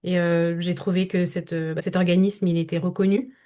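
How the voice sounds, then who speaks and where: Low-voiced French woman, hesitant interview talk. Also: level tone, normal speed, dark tone. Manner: thoughtful, many hesitations and restarts. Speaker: voice-over actress, guest. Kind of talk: podcast interview conversation.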